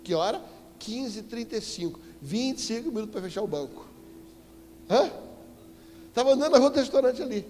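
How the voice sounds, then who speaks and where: Animated Brazilian preacher man in echoey hall. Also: very high voice, a little fast, pauses often. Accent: Brazilian Portuguese. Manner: animated, emphatic storytelling with sudden loud exclamations. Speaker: apostle preaching. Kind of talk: storytelling sermon. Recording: echoey church hall with faint music.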